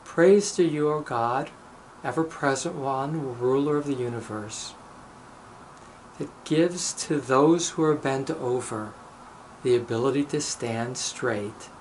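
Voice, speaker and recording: A man of medium pitch guides a meditation and recites blessings as a rabbi would. His delivery is very slow and deliberate, broken into short phrases with pauses. A light noise sits behind the voice. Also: low-quality recording. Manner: measured, deliberate, pausing between short phrases.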